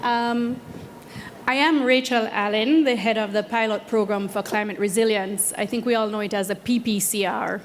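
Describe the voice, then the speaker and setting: A woman's voice: mid-range voice, steady tone, moderate pace, in a large hall, slight background noise. Woman with a Jamaican accent. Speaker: program head giving a talk. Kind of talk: prepared presentation. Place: event space at a conference.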